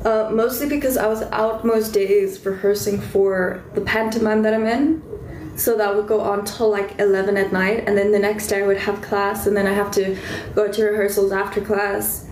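A woman's voice: medium pitch, flat delivery, moderate pace, a little mellow, roomy sound, a little hiss or hum, low-quality recording. A young woman with a stuffy nose and a fading voice, chatting casually with viewers of her livestream from her bedroom, easily distracted. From South Africa. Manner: chatty, easily distracted, squeals at cute things. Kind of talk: casual live chat with viewers. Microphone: phone held close.

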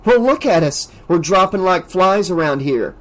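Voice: mid-range voice, expressive, moderate pace, voice pushed up, lightly acted. A reader voicing a worried teenage boy who barks urgently at his friend. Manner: barking, urgent.

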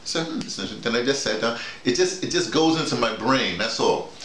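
A man's voice: mid-range voice, fast talker. An older man with an American accent talking informally, explaining in a digressive way and often acting out quoted remarks. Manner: digressive, self-quoting, animated storytelling. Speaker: theater director and workshop leader. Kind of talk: informal debrief, rambling explanation. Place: small bedroom, indoors. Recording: echoey room with faint noise.

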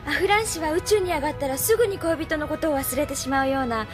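An actress playing a gentle, perceptive young woman who teases softly in an anime radio drama. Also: high voice, fast talker, lightly acted. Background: music.

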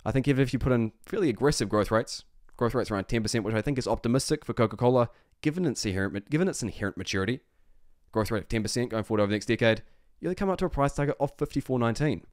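With lively intonation and a very fast delivery, a man of mid-range pitch gives spontaneous stock commentary as an investing video host. He leans on emphasis, repeated phrases and rhetorical questions. It's a studio-quality recording with no room sound.

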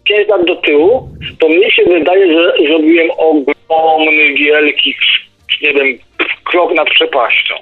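A man's voice: fairly high pitch, slow pace. A middle-aged man musing in casual debate, restarting phrases as he reasons aloud, over a phone call. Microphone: phone or internet call. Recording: tinny phone line, faint music behind.

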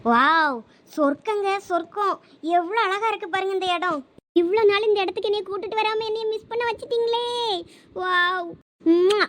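A woman's voice: very high-pitched, a bit bright, slight background noise. A woman playing a bubbly young wife. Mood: delighted. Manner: bubbly, quick-talking. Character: young wife, cheerful and playful. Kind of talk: village web-series acting.

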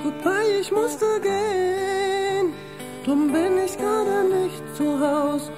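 A woman's voice: extremely high pitch, fairly even intonation, slow pace. A woman singing a playful answering machine greeting over guitar, recorded on cassette tape.

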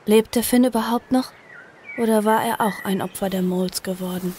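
A woman's voice: mid-range voice, steady tone, normal speed, a little mellow, a little hiss or hum, close to an everyday voice. An actress playing an earnest, frightened girl on the run in a horror audio drama, both narrating and in dialogue. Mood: somber, tense.

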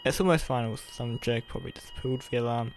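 A man's voice: medium pitch, fast, a little hiss or hum, lightly acted. A young man playing an awkward, earnest college student who is secretly a superhero, in a roleplay audio with hesitant delivery. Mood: apologetic.

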